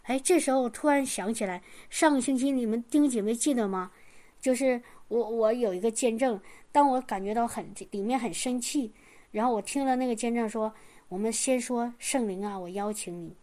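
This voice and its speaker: A middle-aged woman telling a personal testimony to a church congregation, earnest and halting, often restarting her sentences. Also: fairly high pitch, warm tone. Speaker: church member sharing a testimony.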